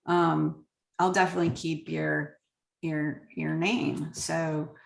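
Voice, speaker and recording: Roomy sounding lady realtor from connecticut, lowish voice, chatting thru her work in an interview. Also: level tone, slow pace, creaky. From Connecticut, United States. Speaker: real estate agent, interview guest. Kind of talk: conversational interview about work systems. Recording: roomy echo.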